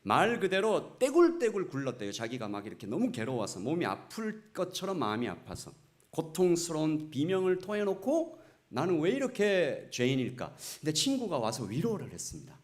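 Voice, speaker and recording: Middle-aged male pastor, fairly high and very lively voice, emotive storyteller who quizzes the pews. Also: moderate pace. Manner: emotive storytelling, swinging from hushed to loud; asks the congregation questions. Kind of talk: sermon.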